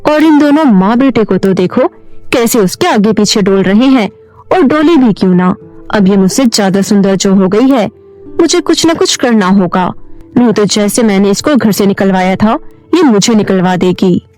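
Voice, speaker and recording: Lady doing a resentful scheming co-wife in a cartoon story, dark mellow tone, music under it. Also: mid-range voice, expressive, moderate pace, dry recording, voice pushed down, close to an everyday voice, rough recording. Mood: jealous, suspicious. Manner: resentful muttering to herself. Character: jealous, scheming young second wife.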